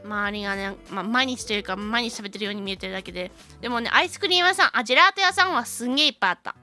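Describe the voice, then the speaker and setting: High, lively, bright-voiced woman streamer. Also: very fast, faint music behind. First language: English. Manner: animated storytelling, switching between Japanese and English. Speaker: VTuber streamer. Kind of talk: casual livestream chat.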